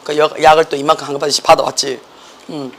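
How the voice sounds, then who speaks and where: A middle-aged academy teacher with a Gyeongsang accent lectures a class in a worn, hoarse voice. The delivery is lively and joking, and English words keep slipping into the Korean. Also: mid-range voice, rapid-fire, slight background noise.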